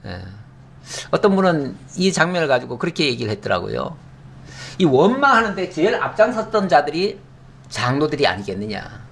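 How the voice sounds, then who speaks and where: Lively, high-voiced Korean male pastor. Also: a little fast, vocal fry, slight background noise. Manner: conversational, rhetorical questions, frequent affirming "yes". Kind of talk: Bible teaching sermon.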